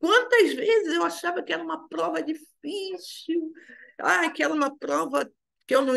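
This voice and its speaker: A woman speaks with very wide pitch swings. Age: 60s. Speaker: spiritist lecturer. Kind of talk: public talk. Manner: casual, conversational.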